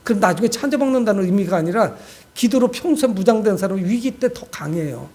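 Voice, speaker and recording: Guy pastor preaching to his church, pretty high voice, urging people on and asking rhetorical questions. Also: expressive, fast, darkish tone. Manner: exhortative, addresses listeners often with rhetorical questions. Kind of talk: sermon to a congregation.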